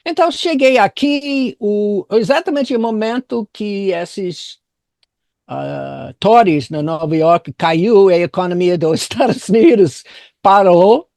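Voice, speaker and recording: A man's voice: high-pitched, gravelly, a little mellow, dry recording, clean studio sound. An older man from the United States with an American accent, a native English speaker, telling his story in an interview and often searching for words. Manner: halting, searching for words in non-native Portuguese. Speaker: business consultant interviewed as guest.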